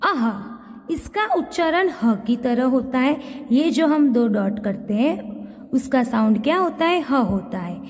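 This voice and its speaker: Slow, high-voiced woman teaching. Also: darkish tone, big-room sound. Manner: slow, repeats questions and answers them herself; mixes English words into her talk. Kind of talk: recorded classroom lesson.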